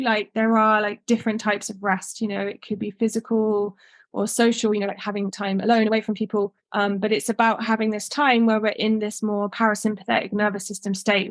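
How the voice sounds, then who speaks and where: A woman herbalist speaks casually in a webinar over a video call mic, her mid-range voice loose and dotted with "like" and "um". The sound is dry, with no room echo. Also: medium pitch. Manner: casual, filler-heavy with frequent "like" and "um". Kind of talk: informal webinar talk. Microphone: video call microphone.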